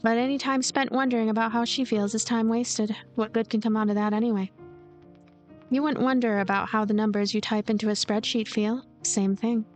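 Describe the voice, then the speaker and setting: A woman's voice: fairly high pitch, little pitch movement, a little fast, darkish tone, soft background music, lightly acted. A woman voicing a lonely, cynical, manipulative girl who narrates a visual novel in a detached, coaxing way. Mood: detached, calculating.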